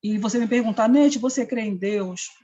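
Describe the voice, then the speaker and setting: A middle-aged woman with an Amapá Brazilian Portuguese accent recounts a personal story, slipping into the voices of the people she quotes. Her voice is husky and a little breathy, at a medium pitch. The recording sounds dull and lo-fi. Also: moderate pace, mellow. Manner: earnest storytelling, acting out quoted dialogue. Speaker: interviewee. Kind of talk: personal testimony.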